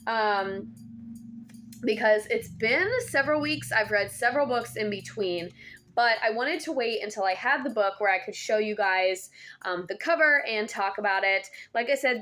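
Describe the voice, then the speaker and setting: A woman's voice: a little high, fairly bright tone. Chatty young woman reviewing a book. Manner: chatty, many ums and restarts. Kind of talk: casual book review vlog.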